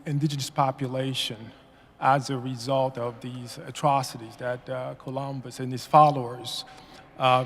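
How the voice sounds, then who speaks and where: A man from Haiti giving public comment at a meeting, halting and full of fillers and restarts. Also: mid-range voice, slight background noise. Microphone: podium mic. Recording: long reverb of a meeting hall.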